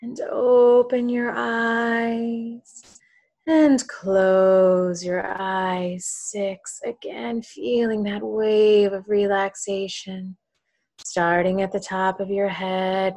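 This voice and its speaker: A woman hypnotherapist guiding a relaxation induction in a soothing, lulling manner, her phrases trailing off softly toward a whisper. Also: medium pitch, no room sound. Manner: slow, drawn-out, lulling delivery with pauses.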